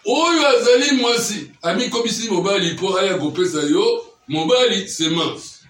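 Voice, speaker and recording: A man's voice: high voice, animated, normal speed, a bit bright. A man preaching a teaching sermon, often checking that his listeners follow him with questions. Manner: keeps quizzing listeners with questions. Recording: echoey room, mic far off.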